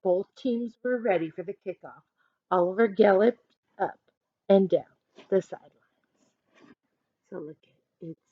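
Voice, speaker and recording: Female elementary teacher, animated read-aloud with plain asides to children. Very varied pitch, unhurried delivery. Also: no room sound, muffled recording. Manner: explains simply, addressing young listeners directly.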